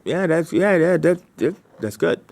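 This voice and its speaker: A man leading a writers' meeting in casual, halting talk, repeating himself as he thinks aloud and brainstorms. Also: on the high side, animated, creaky, darkish tone.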